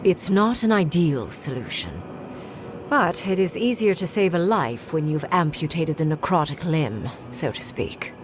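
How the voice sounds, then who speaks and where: An actress playing a coolly rational scholar in a video game, speaking in a clinical, formal, measured way. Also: female voice, deep voice, expressive, noisy background. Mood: clinical, explaining. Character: coolly rational female scholar weighing lives pragmatically.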